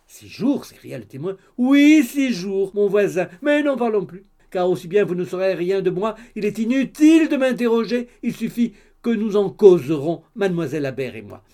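A man voicing a gossipy, excitable middle-aged mother in an audiobook, chattering in a raised, exclamatory voice. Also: high-pitched, fairly quick, few pauses, pitched above the performer's own voice. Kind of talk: audiobook character reading.

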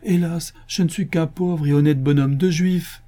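A man's voice: medium pitch, lively intonation, moderate pace, dark tone, breathy edge. A man voicing a poor Jewish man who pleads and wails in a whiny, tearful voice. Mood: pleading.

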